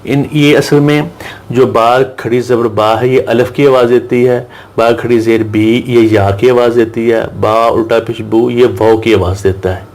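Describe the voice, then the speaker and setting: A male Quran reading teacher who drills letter sounds in slow, repeated chants and explains pronunciation. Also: medium pitch, fairly even intonation, darkish tone. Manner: recites Arabic verses slowly in a melodic chant. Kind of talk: slow drilled recitation lesson.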